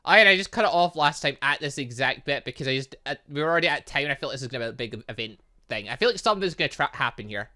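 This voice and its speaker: Male gaming host, animated pitch, bright forceful tone, rambling casual commentary. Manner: rambling, reacts aloud to the game. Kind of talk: casual let's play commentary with read-aloud dialogue.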